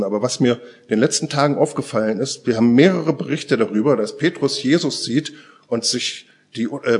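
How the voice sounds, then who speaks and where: Earnest male preacher, often hushed. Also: medium pitch. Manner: earnest, often dropping to a hushed near-murmur. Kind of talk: sermon.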